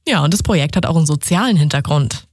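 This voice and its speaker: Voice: mid-range voice, lively intonation, fast talker, slightly rough, no room sound, clean studio sound. Chatty upbeat regional radio presenter. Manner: chatty, upbeat, talks straight to listeners. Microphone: studio microphone.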